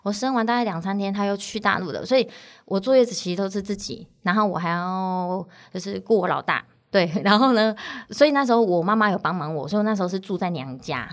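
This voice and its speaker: Taiwanese mandarin mom in her 30s, rattles off her story quick, chatty, laughs here and there. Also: mid-range voice. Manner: candid, chatty, laughs between phrases. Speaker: podcast guest, mother of three. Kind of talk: casual interview talk.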